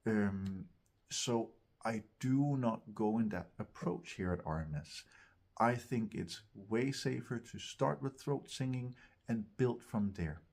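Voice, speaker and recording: A man with a lowish, husky voice gives instruction as a vocal coach. He talks at an unhurried pace, searching for his phrasing and repeating words for emphasis. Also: darkish tone. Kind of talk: instructional talk to camera.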